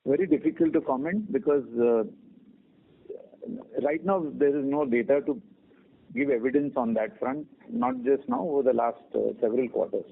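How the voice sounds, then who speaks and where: Over a narrow phone line, a man with an Indian accent speaks in a creaky, rough voice of medium pitch. He answers questions as a company executive, measured and deliberate. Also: very animated.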